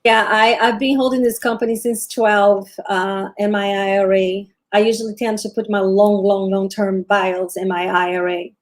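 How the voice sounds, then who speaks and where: Hosting a laid-back livestream on stocks, this trader from Brazil, in her forties, frequently restarts sentences while fielding viewers' questions. Her Brazilian Portuguese-accented voice is medium in pitch and flat, moving at a moderate pace with hardly any pauses.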